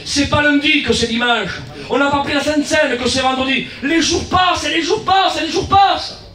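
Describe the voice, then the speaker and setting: Guy preaching, really high voice, mic far off, loud bits then quiet asides. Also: normal speed. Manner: acts out dialogues, shouts key lines, drops to low asides. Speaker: guest pastor. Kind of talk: lively evangelistic sermon. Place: church hall. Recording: echoey church from far off.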